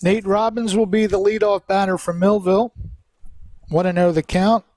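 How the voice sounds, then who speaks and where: High-voiced man calling live baseball. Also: steady tone, normal speed, darkish tone, no room sound. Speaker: play-by-play sports commentator.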